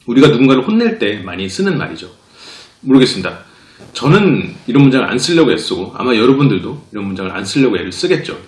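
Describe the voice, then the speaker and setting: Korean guy explaining psych stuff, pitch jumps all over, echoey room. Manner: lively, acts out quoted speakers. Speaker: psychology channel director and lecturer. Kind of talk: explanatory talk to camera. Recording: roomy echo.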